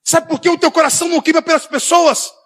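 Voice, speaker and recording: A man with a Brazilian accent preaching a sermon in a church, often shouting and acting out the lines of the people in his story. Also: very high voice, steady tone, fast talker. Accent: Brazilian Portuguese. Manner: shouting preacher, acts out quoted dialogue. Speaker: pastor.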